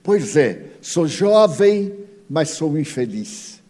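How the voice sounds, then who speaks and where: A man's voice: a little high, sing-song, takes it slowly, warm tone, heavily acted. A man voicing the aggrieved, accusing spirit of a young man who was wronged by his godfather. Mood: bitter. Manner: bitter, accusing. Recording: long hall reverb.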